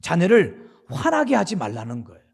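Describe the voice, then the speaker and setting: A man's voice: fairly high pitch, huge pitch swings, moderate pace, creaky, a little mellow, slightly rough. A middle-aged man, the senior pastor, preaching a sermon in a church sanctuary in a conversational way, asking his listeners questions.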